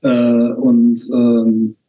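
A man in his forties from Germany talks as a podcast guest, pausing often and restarting his sentences. His voice is mellow and dark. The room around him is noticeably echoey. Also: mid-range voice, completely flat delivery. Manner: hesitant, many fillers and restarts. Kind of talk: casual conversation.

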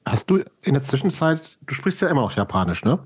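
A man co-hosting a casual podcast, cutting in with brisk questions. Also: mid-range voice, very animated, a little mellow, slightly rough. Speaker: podcast host. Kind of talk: casual conversation.

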